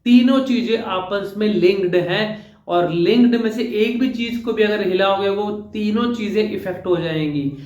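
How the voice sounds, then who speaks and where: Male speech coach, high and emphatic, echoey room, drills points home. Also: moderate pace, a little mellow, dull audio. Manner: emphatic, repeats key points as rules. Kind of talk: instructional talk to camera.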